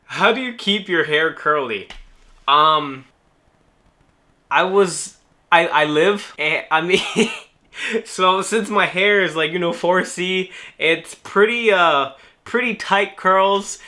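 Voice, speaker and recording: A young man from New Orleans with a fairly high, sharp-toned voice fields viewer questions in a casual Q&A vlog, keeping things laid-back and joking.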